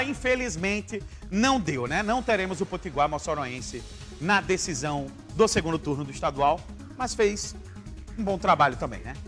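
Upbeat high-voiced Brazilian TV sports host. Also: male voice, a bit bright. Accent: Brazilian Portuguese. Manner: upbeat, reads viewer messages aloud. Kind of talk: live TV sports talk. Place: TV studio.

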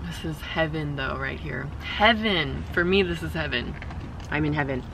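A woman in her thirties vlogs from a parked car, gushing about her food and cooing at her cat in a casual food-tasting chat. Her voice is low-pitched at normal speed, picked up by a dashboard-mounted camera amid a noisy background.

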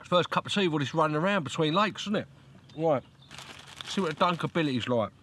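A man's voice: fairly high pitch, animated, quick pace, fairly bright tone, slight background noise. A middle-aged man chatting casually in an outdoor fishing vlog, filmed on a close handheld camera beside a lake. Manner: chatty, repeats "look" often, coos at his dog. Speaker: fishing vlogger. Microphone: handheld camera close to face.

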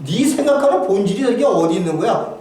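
A man preaching as a pastor, telling a personal story in a halting, emotional way with many restarts. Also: high voice, expressive, mellow, a little hiss or hum. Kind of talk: sermon testimony. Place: church sanctuary. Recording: very echoey hall, voice from far off.

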